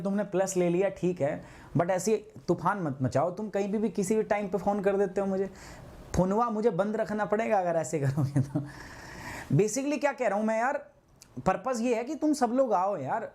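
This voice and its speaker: A man's voice: sits high, a little mellow. Scolding, chatty male online teacher. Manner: chatty and scolding, mixing Hindi and English, often saying "ठीक है". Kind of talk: live online class lecture.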